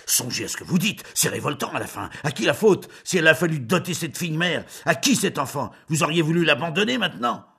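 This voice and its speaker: A man's voice: fairly high pitch, animated, quick pace, gravelly, hardly any pauses, pushed and bright, slightly rough, voice pushed up, full character voice. A man voicing an old baron, a flustered father who bursts out scolding in an audiobook. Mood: outraged. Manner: scolding outburst.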